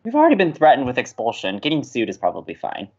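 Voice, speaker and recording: A man's voice: mid-range voice, huge pitch swings, fast talker, darkish tone, husky, lo-fi sound, heavily acted. A man playing an earnest, dramatic young college radio host in an audio drama, wry and theatrical. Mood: incredulous, dry.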